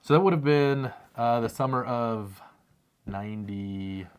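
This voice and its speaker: A man's voice: medium pitch, measured pace, clean tone. A man with an American accent in casual, jokey conversation as a co-host reading out viewer questions. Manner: self-deprecating, jokey. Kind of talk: casual chat.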